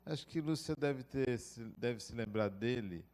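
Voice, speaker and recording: A middle-aged man with a Brazilian Portuguese accent giving a lecture, telling personal stories in a reflective, unhurried way. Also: mid-range voice, darkish tone. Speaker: spiritist lecturer. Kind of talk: spoken lecture with personal anecdotes.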